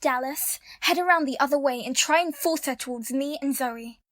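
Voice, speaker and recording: Actress as a high-voiced, take-charge woman. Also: moderate pace, fairly bright tone, dry recording, studio quality. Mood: commanding. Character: quick-thinking, take-charge woman leading a chase. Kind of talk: audio drama dialogue.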